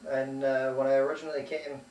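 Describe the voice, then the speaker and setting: A man's voice: mid-range voice, flat delivery, fast, darkish tone, highs cut off. An American man in casual conversation about his life, hesitant and rambling, often trailing off and swearing casually. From United States. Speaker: interviewee. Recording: roomy echo, distant mic, faint noise.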